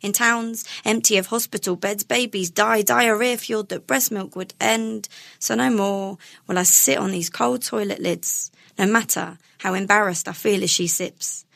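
A woman's voice: mid-range voice, fairly even intonation, normal speed, gravelly, fairly bright tone, no room sound. A young woman performing rhyming spoken word poetry in an emphatic, indignant, cadenced delivery.

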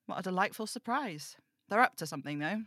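A woman's voice: lowish voice, animated, quick pace, a bit bright, no echo, clean studio sound. A woman playing a snarky, weary supernatural radio host in an audio drama, wry and brooding in manner. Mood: exasperated, sardonic. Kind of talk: audio drama table read.

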